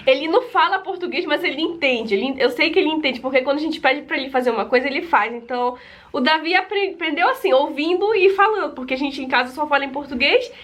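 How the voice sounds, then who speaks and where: A woman's voice: sits high, animated, fast talker, fairly bright tone. A young woman from Brazil, chatting casually to the camera as a vlogger and often calling out to her viewers. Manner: chatty, repeats "gente" often.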